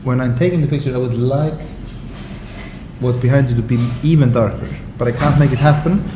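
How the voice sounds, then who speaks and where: A man's voice: medium pitch, brisk. Icelandic guy chatting over lunch, laughs a lot, restarts sentences, roomy restaurant with noise behind. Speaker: photographer and writer, podcast guest. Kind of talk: casual conversation over lunch. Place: restaurant table. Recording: echoey restaurant with background noise.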